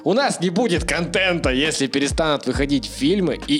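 A man's voice: on the high side, animated, fairly quick, fairly bright tone. Young man chatting casually over background music. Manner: informal, joking, mild swearing. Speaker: podcast co-host. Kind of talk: casual news chat.

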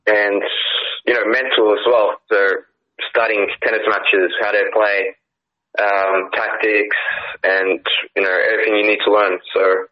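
A young man in his late teens, a tennis player guest, talking in a soft, hesitant way with many ums and fillers. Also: lowish voice, flat delivery, measured pace. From Australia. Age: young adult. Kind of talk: casual interview chat. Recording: lo-fi phone-like call audio.

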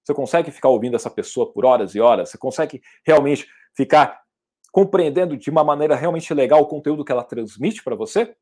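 Male oratory trainer, casual Q&A teaching, emphatic with loud bursts. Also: on the high side, fast talker. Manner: lively and emphatic, with sudden loud outbursts. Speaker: public speaking and NLP trainer. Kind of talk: casual teaching, answering audience questions.

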